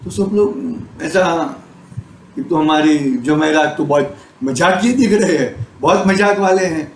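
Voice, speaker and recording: A man with a high voice delivers a spiritual discourse at an unhurried pace. He tells stories in a conversational way and keeps asking listeners whether they follow. The recording is echoey, with faint room ambience behind him. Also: slight background noise. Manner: conversational, asks listeners for assent. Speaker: Jain spiritual teacher. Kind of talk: devotional discourse with storytelling.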